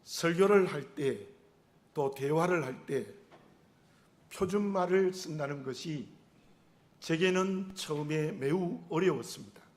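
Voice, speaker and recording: A middle-aged male pastor with a regional Korean dialect intonation, preaching a sermon in an earnest, measured way and asking rhetorical questions. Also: a little high.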